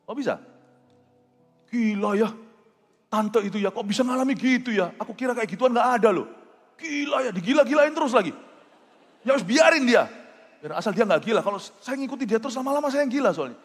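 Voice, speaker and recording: A male pastor with a high voice preaches with animated emphasis, telling stories and dropping English phrases into his sermon. His voice rings through a church hall with long reverb, and faint music sits behind him. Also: a little fast, pauses often. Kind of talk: sermon with storytelling.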